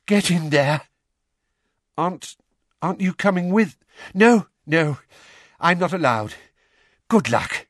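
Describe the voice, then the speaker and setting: A man's voice: on the high side, wildly swooping pitch, normal speed, a bit bright, dry recording, pitched above the performer's own voice, exaggerated voice. A harried middle-aged wizard, panting out urgent words in a raised, lifted voice, as a male narrator acts him out. Dry, close storybook reading. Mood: breathless. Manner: urgent, breathless.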